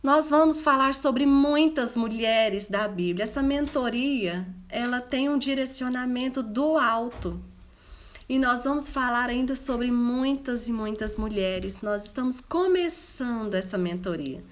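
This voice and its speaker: A woman's voice: on the high side, a little slow. A woman with a Goiás Brazilian accent, giving a live devotional talk and speaking straight to her listeners. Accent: Goiás Brazilian Portuguese. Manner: addresses listeners directly, animated. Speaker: Christian women's mentor.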